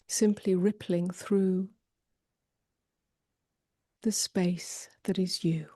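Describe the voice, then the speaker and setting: A woman meditation teacher leading a guided meditation softly and gently, often drifting toward a whisper, with long pauses. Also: lowish voice, steady tone, no room sound, clean studio sound. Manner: soft, breathy delivery drifting toward a whisper.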